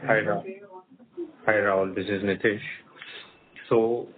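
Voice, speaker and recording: A man's voice: lowish voice, flat delivery, slow, crowd noise. A man, a company executive, giving unscripted explanations on a corporate conference call. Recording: narrowband phone-call audio.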